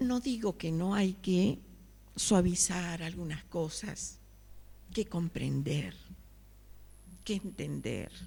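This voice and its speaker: The speaker talks at a very slow pace with ordinary pitch variation. Vocal fry shows, and long pauses come often. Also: woman, fairly low pitch for a woman. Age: 70s. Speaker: preacher. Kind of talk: sermon.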